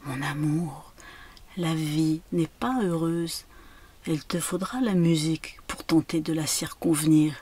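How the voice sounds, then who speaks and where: A woman's voice: deep voice, steady tone, measured pace, a little hiss or hum. A woman reading aloud and voicing a grieving woman who murmurs tenderly to her dead lover. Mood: hushed. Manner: hushed, intimate murmuring.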